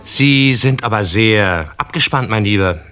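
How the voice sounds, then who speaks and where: Man as patronizing middle-aged doctor, dry lecturing tone, slow, bright voice. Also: fairly low pitch, lively intonation.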